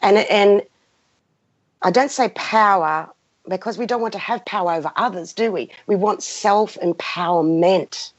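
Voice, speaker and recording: A woman's voice: mid-range voice, a little slow. A woman in her fifties giving an unscripted, passionate spiritual talk, speaking emphatically and repeating phrases as she guides listeners. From Greek background. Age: 50s. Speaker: spiritual guide hosting a live session. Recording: muffled, roomy lo-fi sound.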